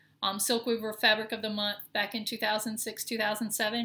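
A bright, sharp tone comes with a Southern US accent and monotone, flat intonation. The pace is fairly slow. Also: woman. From US South, Mississippi. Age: 40s. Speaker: cross-stitch vlogger and online shop owner. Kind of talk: casual show-and-tell video. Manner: casual, frequent filler words. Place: home room. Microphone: webcam.

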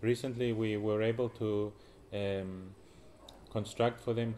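Very slow speech in a dark, mellow tone with fairly even intonation, over light background noise. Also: man. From South Africa, Cypriot parents. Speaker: bishop. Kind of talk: speech at a conference, paused for interpretation. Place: home room. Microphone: podium.

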